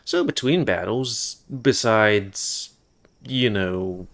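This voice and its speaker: A man's voice: on the low side, lively intonation, drawn-out words, vocal fry, a bit bright. A man giving casual, rambling and crude commentary while playing a video game. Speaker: gaming YouTuber. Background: game music.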